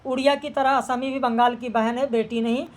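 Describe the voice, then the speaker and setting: Brisk female exam tutor, high voice, even and level, reading out questions and answers. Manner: brisk, steady, matter-of-fact answer checking. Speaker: teacher.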